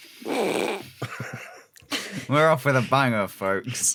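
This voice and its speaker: Lively intonation marks this man's medium-pitched voice. Noticeable background noise is present. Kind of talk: casual podcast banter, comedy.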